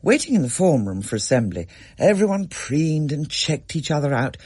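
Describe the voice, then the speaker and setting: Husky, animated story reader, dry studio sound. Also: mid-range voice, moderate pace, dry recording. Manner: expressive, varied storytelling. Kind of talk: scripted story reading.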